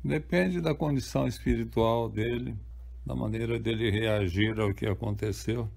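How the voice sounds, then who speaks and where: An older man with a Brazilian Portuguese accent, an author answering interview questions calmly and explaining at a measured pace. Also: mid-range voice, creaky.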